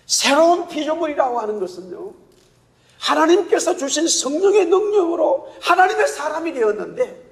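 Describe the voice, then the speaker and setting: A male pastor with a Gyeongsang Korean accent preaching a sermon, telling stories lively and asking the congregation rhetorical questions. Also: very high voice. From Gyeongsang region, Korea. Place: church sanctuary. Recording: long church-hall reverb.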